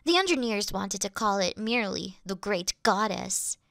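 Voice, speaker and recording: A woman's voice: mid-range voice, animated, normal speed, vocal fry, fairly bright tone, no room sound, studio quality. A woman voicing a devoted female demon servant who worships her mistress, fawning and flustered in a scripted audio roleplay. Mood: adoring.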